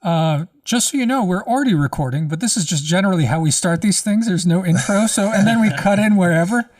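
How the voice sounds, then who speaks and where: A man co-hosting a podcast, slightly hoarse as he loses his voice, rambling casually with many restarts, speaking very close to the microphone. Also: high voice, brisk, a little mellow, no room sound, recorded from a distance. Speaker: podcast co-host. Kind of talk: casual conversation.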